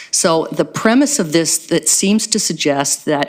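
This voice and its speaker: A woman speaks at a moderate pace in a fairly low register. It is an unremarkable speaking voice. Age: 60s. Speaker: resident speaking at council meeting. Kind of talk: public meeting statement. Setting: town hall council meeting. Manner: formal.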